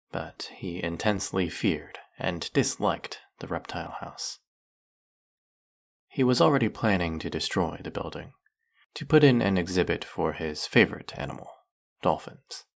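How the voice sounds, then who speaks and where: A man voicing a deep, creaky snake-man villain. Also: exaggerated voice. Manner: formal, measured, soft-spoken. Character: soft-spoken snake-headed male villain, formal and gentle. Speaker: villain in listener roleplay. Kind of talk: audio roleplay acting.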